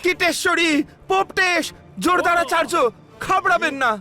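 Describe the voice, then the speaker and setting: A man voicing a dramatic, excitable king in a cartoon dub, with florid, theatrical delivery. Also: extremely high pitch, normal speed, full character voice. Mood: excitable, alarmed. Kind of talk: exaggerated cartoon dub acting. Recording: music behind the voice.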